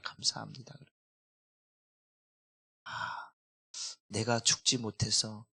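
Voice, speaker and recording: Bright-voiced Korean pastor preaching. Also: male voice, mid-range voice. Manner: emotional preaching, swinging between loud cries and soft confession. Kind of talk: sermon.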